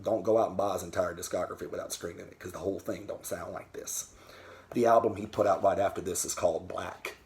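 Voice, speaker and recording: Talking casually to camera in his home den, a vinyl record vlogger rambles openly about his records and swears freely. His voice sits low and darkish, with slight background noise present.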